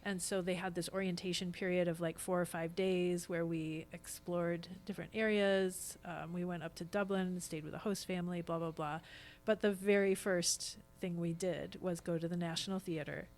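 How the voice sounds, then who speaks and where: A woman's voice: fairly low pitch, fairly even intonation, moderate pace, few pauses, darkish tone. American woman in her fifties, podcast guest. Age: 50s. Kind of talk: casual podcast conversation, explaining.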